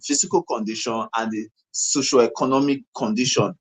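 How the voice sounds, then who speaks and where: A man with a Nigerian accent explains medical matters informally as a doctor. His pitch is average, and he speaks haltingly, repeating himself and adding short questioning tags. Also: fairly even intonation, breathy edge, low-quality recording. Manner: halting, repetitive, tags phrases with "eh".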